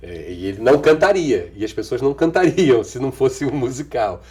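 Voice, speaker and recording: A middle-aged man with a Brazilian accent, an actor and singer answering interview questions thoughtfully, with restarts, trailing pauses and frequent chuckles. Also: mid-range voice, expressive, darkish tone, husky. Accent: Brazilian Portuguese. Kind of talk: relaxed conversational interview answers.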